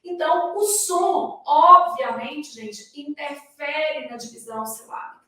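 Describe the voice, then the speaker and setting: A woman's voice: sits high, animated, unhurried, pushed and bright. A woman with a Brazilian accent who teaches grammar to exam candidates. She explains in a didactic way and keeps asking her class rhetorical questions. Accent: Brazilian Portuguese. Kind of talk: recorded lecture for exam candidates. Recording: echoey room, voice far from the mic.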